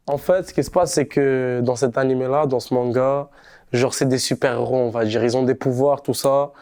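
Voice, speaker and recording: A young man from Montreal, a rapper, talking casually in a relaxed, slangy street manner during an interview. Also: mid-range voice, normal speed. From Montreal, Canada. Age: young adult. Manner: laid-back, slangy street talk.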